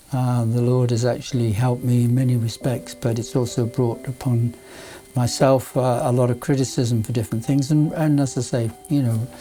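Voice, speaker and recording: Music plays in the background as a man talks with a northern English accent. His loudness is very even and his intonation fairly even. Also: medium pitch for a man, moderate pace. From northern England (Cumbria, Lake District). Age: 70s. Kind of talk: autobiographical testimony. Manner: hesitant, many fillers.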